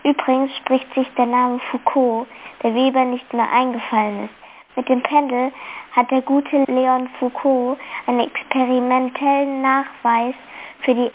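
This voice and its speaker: A woman leaving a casual, slightly hesitant voice message. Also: fairly high pitch. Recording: dull lo-fi message, faint noise.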